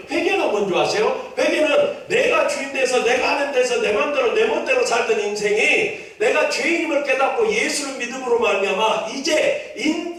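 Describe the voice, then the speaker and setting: A man with a Jeolla Korean accent preaches an emphatic sermon in a very high voice. He repeats his key points and draws amens from the congregation. His voice comes from well away from the mic and rings through a very echoey church hall. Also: fairly bright tone, far from the mic. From Jeolla, South Korea. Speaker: pastor. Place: church sanctuary.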